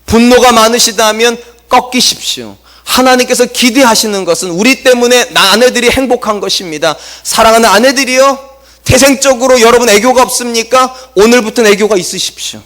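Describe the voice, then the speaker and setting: High-voiced lively Korean pastor preaching. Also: male voice, fairly quick. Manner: lively preaching with acted quotes and humor. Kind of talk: sermon. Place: church sanctuary.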